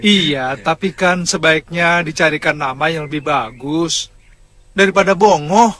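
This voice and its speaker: A man's voice: fairly high pitch, a little slow. An actor playing a young nobleman who teases and befriends his simple servant in a radio drama. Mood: teasing. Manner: friendly, teasing and warm-hearted toward the servant.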